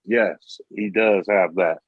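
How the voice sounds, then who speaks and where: A man's voice: sits low, slow pace, husky, dry recording. A man from the United States talking in a blunt, drawling casual chat. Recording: dry, muffled lo-fi call audio.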